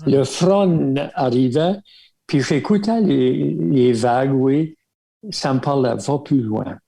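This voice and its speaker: An older Acadian man from Baie Sainte-Marie, with a gravelly, mellow voice. He reminisces in an easygoing way, breaking his sentences with fillers and light chuckles. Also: mid-range voice, slow, poor audio. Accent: Acadian French from Baie Sainte-Marie. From Baie Sainte-Marie, Nova Scotia. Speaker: guest, religious brother. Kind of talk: casual storytelling interview.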